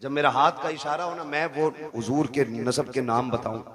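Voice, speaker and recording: A man's voice: mid-range voice, normal speed, poor audio. Preacher man with a crowd behind him. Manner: storytelling, coaxes the audience to call out responses. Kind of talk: religious sermon at a live gathering. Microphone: handheld or stand microphone on a public address system. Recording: live PA recording with crowd.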